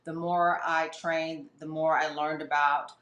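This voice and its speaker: A woman's voice: sits low, little pitch movement, unhurried, a bit bright, highs cut off. A middle-aged woman, telling her story as a podcast guest in a chatty way with lots of fillers and restarts. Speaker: podcast guest, fitness competitor. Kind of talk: casual storytelling interview. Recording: echoey room.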